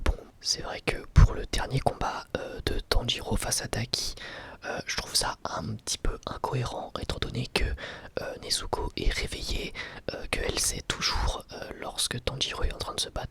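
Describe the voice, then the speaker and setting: A man gives a casual, unscripted ASMR review in a breathy whisper, enthusiastic but hesitant in his phrasing. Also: medium pitch, fairly bright tone.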